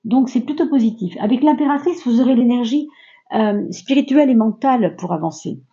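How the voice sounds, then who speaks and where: A woman's voice: on the high side, brisk, dark tone, dull audio. A woman giving a casual, reassuring tarot reading to her viewers, talking loosely with many fillers. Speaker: tarot reader.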